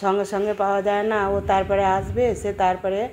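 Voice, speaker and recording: A woman's voice: medium pitch, monotone, fast talker, darkish tone, a little hiss or hum. A middle-aged woman narrates her day at home casually, chatting directly to viewers and repeating phrases for emphasis. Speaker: homemaker and vlogger. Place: indoors at home.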